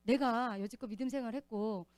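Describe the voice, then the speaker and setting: A woman giving an earnest, animated testimony as a church deacon, telling her story in a church. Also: fairly high pitch, a little fast, no echo.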